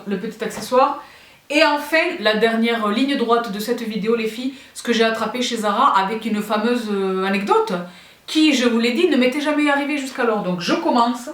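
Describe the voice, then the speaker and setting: A young woman with a French accent chatting to her viewers about clothes she bought, lively and expressive. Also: mid-range voice. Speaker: fashion vlogger. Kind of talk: casual haul chat to viewers. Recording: roomy, a bit far from the mic.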